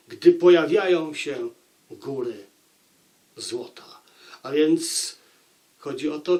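A man with a slightly high voice talks through a book review on his own. He speaks very slowly and deliberately, often repeating a phrase to drive it home. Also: a little mellow. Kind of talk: unscripted book review monologue.

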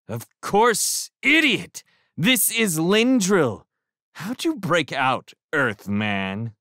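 A man's voice: extremely low pitch, slow, husky, no room sound, clean studio sound, pitched below the performer's own voice, exaggerated voice. A man voicing a short, hostile ship crewman who snaps and sneers. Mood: snapping. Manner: snapping, sneering.

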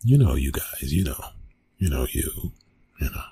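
A man playing a flustered, awkward young college bully in a one-sided ASMR roleplay, stammering and evasive, with a husky, gravelly voice. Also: extremely low pitch, very animated, normal speed, dark tone, a little hiss or hum. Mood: sheepish, apologetic. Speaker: roleplay audio performer.

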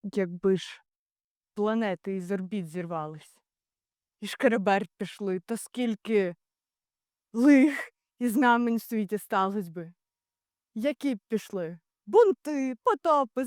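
A young woman playing a wise, stern male Greek commander in a theatrical Shakespeare monologue, declaiming in deliberate, rhetorical phrases. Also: mid-range voice, darkish tone, dry recording, studio quality, lightly acted. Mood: grave, persuasive. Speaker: drama student.

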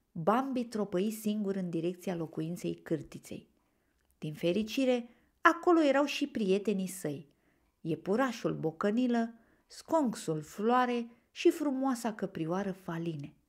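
A woman narrating a children's storybook aloud, expressive and gentle. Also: mid-range voice.

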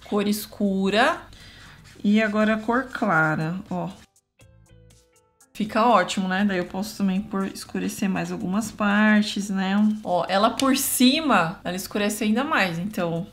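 Chatty woman demoing art markers. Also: medium pitch. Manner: chatty, talks to viewers while drawing. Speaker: art youtuber testing markers. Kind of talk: casual close-up art demo.

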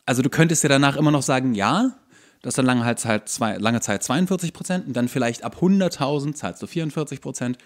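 A man's voice: mid-range voice, lively intonation, quick pace. A man hosting a podcast, explaining and ranting in a casual, colloquial way. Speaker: podcast host.

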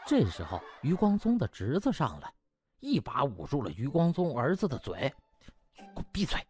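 A man narrating a comic audiobook in an animated, theatrical way with drawn-out emphasis. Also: medium pitch, a little hiss or hum.

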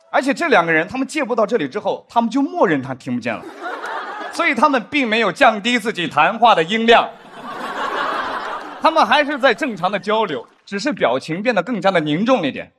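A man performing a stand-up comedy set on a studio stage, acting out drama scenes with big pitch swings. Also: sing-song, brisk, fairly bright tone, a little hiss or hum. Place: studio stage with live audience.

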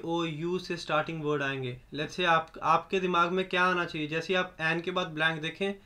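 Young man, language teacher, high voice, bright tone, slow deliberate examples, explanatory lesson. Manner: reads example sentences slowly and deliberately; switches between Hindi explanation and English examples.

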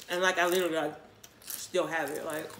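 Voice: mid-range voice, little pitch movement, brisk, a bit bright. A mukbang vlogger chatting casually and off the cuff, chewing while talking with a mouth often full. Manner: talks with mouth full, chewing between phrases. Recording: roomy echo, faint background noise.

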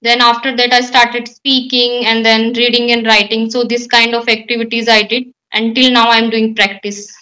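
A woman's voice: a little high, level tone, normal speed, hardly any pauses, bright, forceful tone, rough recording. A young woman from India speaking English with an Indian accent, Hindi and Marwari her first languages, answering questions carefully on a video call. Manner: thoughtful, careful, with frequent light laughs. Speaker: guest learner. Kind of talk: English speaking practice conversation. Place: indoor room at home. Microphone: video call webcam.

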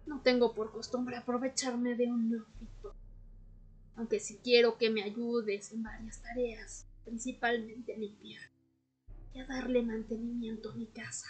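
A woman playing a patient, enigmatic vampire scholar in a radio drama, speaking in a measured, solemn way. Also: a little high, little pitch movement, darkish tone, breathy edge, faint music behind, rough recording. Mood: patient, composed. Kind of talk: Spanish-language amateur radio drama acting.

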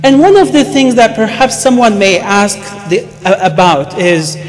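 High-pitched preaching man, Arabic accent. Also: lively intonation, over music. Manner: emphatic, halting, repeats words as he goes. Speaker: imam giving a Friday sermon. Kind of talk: sermon with Arabic recitation and English explanation. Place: mosque, speaking from a wooden pulpit.

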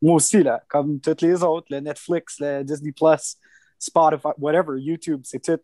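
A man's voice: a little high, flat delivery, moderate pace, warm tone, dry recording. A man with a Franco-Ontarian French accent, talking casually as a panelist and leaning on lots of informal fillers. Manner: loose and informal, full of "tu sais" and "comme".

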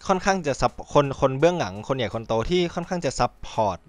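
Rambling, excitable man on a dry mic. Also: a little high, fast talker, no echo. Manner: rambling, excitable, swears freely, acts out quotes. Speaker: podcast host. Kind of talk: casual chat.

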